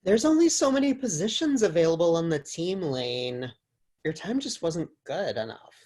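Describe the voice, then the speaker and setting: A woman's voice: fairly low pitch, animated, normal speed, mellow. A woman playing a cool, matter-of-fact teenage girlfriend in a comic screenplay table read. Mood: firm, matter-of-fact.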